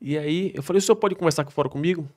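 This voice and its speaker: A man spins a slangy, animated story from his police work. He speaks quickly in a fairly high voice. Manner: slangy, animated anecdote telling. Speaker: military police soldier guest. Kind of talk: podcast storytelling.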